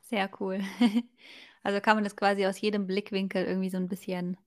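Friendly, easily laughing podcast host. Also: female voice, medium pitch, level tone, brisk. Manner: friendly, light, laughs often and affirms the guest. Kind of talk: casual podcast interview.

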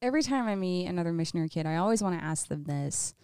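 A young woman co-hosts a casual podcast, friendly and chatty with frequent laughter. Her voice sits a little low for a woman. The sound is dry and close to the mic. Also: expressive, very fast, dark tone, clean tone, no room sound. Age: young adult. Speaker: podcast co-host.

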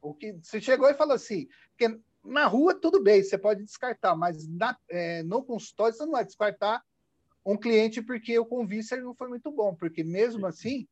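A man's voice: high-pitched, normal speed, no echo. A man, a hypnotherapist telling stories from his practice and acting out what he says to clients. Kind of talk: sharing practice anecdotes.

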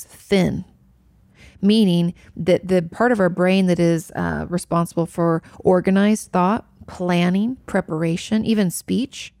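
A woman's voice: lowish voice, creaky, a little mellow, no echo. A woman, a therapist, talking casually as she answers viewer questions and explains things with many fillers and restarts. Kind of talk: casual advice talk.

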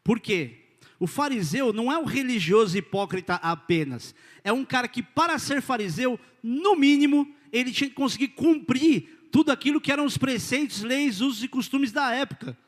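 High-voiced Brazilian pastor in a reverberant hall. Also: male voice, normal speed. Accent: Brazilian Portuguese. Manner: informal, direct, addresses listeners as "cara" and "querido"; animated, swings between loud and quiet. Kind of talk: sermon.

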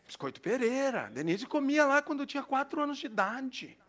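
Middle-aged Brazilian pastor, male, preaching with a high-set, expressive voice, swinging from loud to hushed. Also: brisk. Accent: Brazilian Portuguese. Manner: lively storytelling, swings between loud and hushed. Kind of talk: storytelling sermon.

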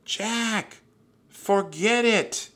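A man's voice: on the low side, huge pitch swings, normal speed. A man voicing a spirited, urgent young girl adventurer in an audiobook story. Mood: frantic shouting.

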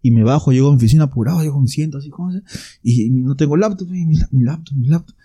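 A young man with a Peruvian accent telling a funny story as a podcast guest, animated and acting out quotes. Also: mid-range voice, rapid-fire, breathy edge, no room sound, studio quality. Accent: Peruvian Spanish. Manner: animated, laughing, acts out quotes. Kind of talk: casual storytelling.

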